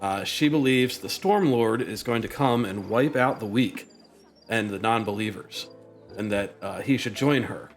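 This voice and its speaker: A man's voice: on the low side, a little slow, faint music behind. A man narrating as game master of a tabletop game, hesitant, with many ums and uhs.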